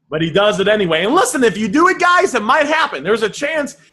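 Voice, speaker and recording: A man speaks in a raised, projected voice at a high pitch with a bright, sharp tone. His pace is fairly quick and his intonation lively. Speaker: reselling business coach. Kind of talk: group video chat coaching. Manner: animated.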